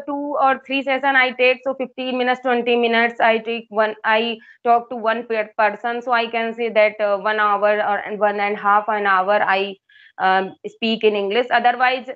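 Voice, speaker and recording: A higher-pitched woman from India speaks English with an Indian accent, since Hindi is her first language. She keeps pausing with "uh" and "you know" and restarting her sentences. The sound is dull and lo-fi, like a call. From Uttar Pradesh, India. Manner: hesitant, many fillers and restarts. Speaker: English tutor. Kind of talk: casual English conversation practice.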